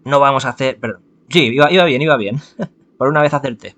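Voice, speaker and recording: A man's voice: medium pitch, fairly quick, fairly bright tone. A man playing a visual novel, reading it aloud, correcting himself and adding joking asides. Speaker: gameplay narrator.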